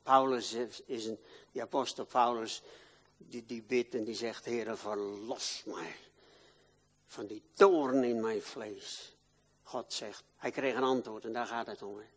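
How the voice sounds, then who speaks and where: An older man preaching a sermon in a church, swinging from loud declaiming to quiet, confiding talk. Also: medium pitch, steady tone, a little slow, big-room sound.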